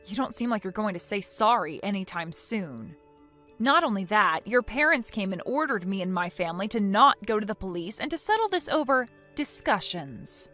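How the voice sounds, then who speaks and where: A woman plays a composed young woman who was wronged, in an animated story. She speaks in a low, cold, measured tone and stays firm. Her voice is bright and clear, with faint music behind it. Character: calm, resolute young woman injured in an accident.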